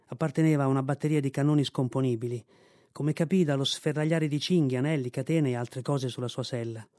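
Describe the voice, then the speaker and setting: A man reading a classic novel aloud in measured, clear storytelling narration, recorded in a radio studio. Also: mid-range voice, fairly even intonation, a little mellow, no room sound. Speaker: reader. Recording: dry studio radio recording with faint music.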